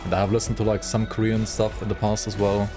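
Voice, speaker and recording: A man's voice: on the low side, little pitch movement, fast, over music. A man streaming a game, chatting casually and rambling with his viewers as he thinks aloud. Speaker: gaming livestreamer. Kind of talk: casual chat with viewers while gaming.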